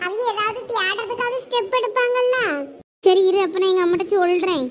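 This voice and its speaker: A woman with a Thoothukudi Tamil accent voicing comic village characters in a cartoon, in quick, exclaiming banter. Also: extremely high pitch. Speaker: voice artist of a cartoon series.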